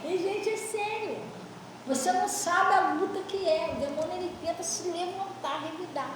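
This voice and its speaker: A woman pastor preaching a storytelling sermon, animated and laughing, in a church. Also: very high voice, moderate pace, background noise. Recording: echoey church hall, mic far off.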